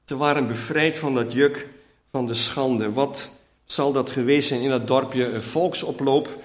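A preacher teaches from the Bible in a chatty, conversational way, frequently checking in with his listeners. His voice is medium-pitched with fairly even intonation, and he speaks at a measured pace.

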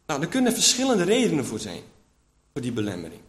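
A man's voice: on the high side, wildly swooping pitch, quick pace. Man giving a chatty Bible talk. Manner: chatty, keeps checking in with listeners. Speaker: preacher. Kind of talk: conversational Bible teaching.

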